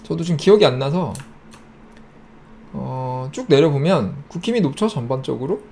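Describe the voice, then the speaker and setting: A man talks his viewers through a chart on his own channel and thinks aloud as he scrolls. His voice is gravelly and his pitch rises and falls a lot. He reels off items in quick, clipped phrases. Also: lively intonation, darkish tone, slight background noise. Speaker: YouTube host. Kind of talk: casual screen-share data walkthrough.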